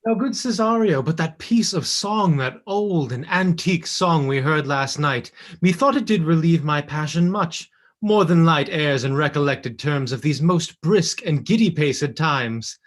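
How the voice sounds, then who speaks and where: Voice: medium pitch, animated, a little slow. Lovesick, ardent nobleman of classical theater played by an actor. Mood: yearning, musing. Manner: heightened verse delivery with audible gasps. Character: lovesick nobleman, ardent, moody, musing on love. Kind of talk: classical Shakespearean stage acting. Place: at home, on video call. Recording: performed over video call from home.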